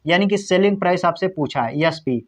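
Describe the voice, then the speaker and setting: A man's voice: high voice, lively intonation, a little fast. A man teaching exam-prep maths, working through problems step by step and talking straight to his viewers. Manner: step-by-step explaining, addresses viewers directly.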